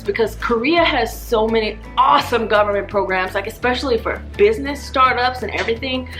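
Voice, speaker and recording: A woman vlogger who is a native English speaker, telling stories casually in an animated, slangy way and acting out dialogue. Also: mid-range voice. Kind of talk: casual chat to camera, storytelling.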